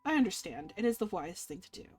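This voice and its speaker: A woman voicing a polite, gentle, earnest gentleman from a visual novel in careful formal speech, over music. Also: medium pitch, big pitch swings, fast talker, natural voice. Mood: gentle concern. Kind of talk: visual novel character reading. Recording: music playing underneath.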